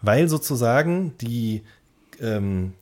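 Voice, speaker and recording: A man's voice: medium pitch, expressive, slow pace. A man co-hosting a podcast in casual, unscripted chat, explaining things in a rambling, searching way and often rephrasing. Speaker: podcast co-host.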